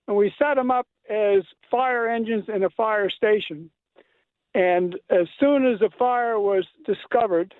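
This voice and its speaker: A man's voice: high voice, dry recording. A man from Nova Scotia calling in to a radio show, plainspoken and folksy, rambling through his point. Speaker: caller. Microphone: phone. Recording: phone line.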